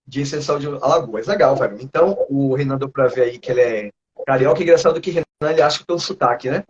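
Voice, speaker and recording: A man with a Northeastern Brazilian accent, a teacher, interviews a student over a video call in a relaxed, chatty manner, laughing often. His voice is medium in pitch, he talks quickly, and the audio sounds dull.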